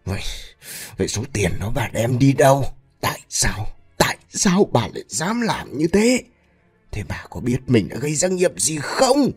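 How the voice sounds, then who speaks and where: Male narrator voicing an enraged husband in a spoken tale: loud, high, accusing, bitter. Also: very animated, a little fast. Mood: furious. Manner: shouting, accusing. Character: furious middle-aged husband, stern and bitter.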